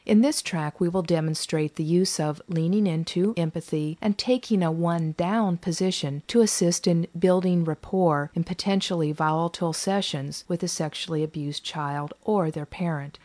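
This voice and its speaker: A woman therapist giving calm, soft-spoken, measured scripted instructional narration. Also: fairly low pitch.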